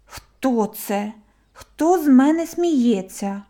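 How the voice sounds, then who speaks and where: An eager little hedgehog boy with a high, bright-edged voice and loud exclamations, as a woman reading a storybook plays him. He is quick to take offense and restless. The tone stays warm and mellow underneath. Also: natural voice. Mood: earnest. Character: eager excitable young male hedgehog.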